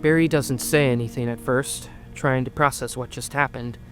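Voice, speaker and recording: Casting: woman narrator with a remarkably deep voice, reading story narration over soft music. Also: fairly even intonation, normal speed.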